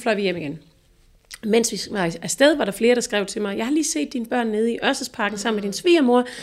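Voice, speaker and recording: Lively intonation marks this woman's fairly high voice. She moves at a fairly quick pace. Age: 40s. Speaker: influencer. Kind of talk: casual chat.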